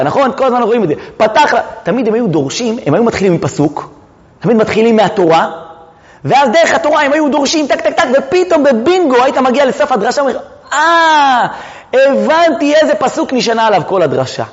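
A man teaching a Talmud lesson as a rabbi, retelling the story dramatically and firing rhetorical questions at his listeners. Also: sits high. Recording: reverberant hall, dull lo-fi sound.

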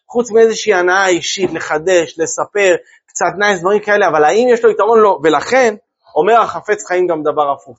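High-voiced man teaching a lively Torah class. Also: lo-fi sound. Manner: lively, asks listeners rhetorical questions. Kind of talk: religious class to a group.

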